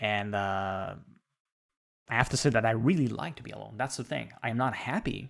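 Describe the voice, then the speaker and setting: At a moderate pace, the voice shows vocal fry and ordinary pitch variation on a very clean recording with a silent background. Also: man. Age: 30s. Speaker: vlogger. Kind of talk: testimony. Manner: halting.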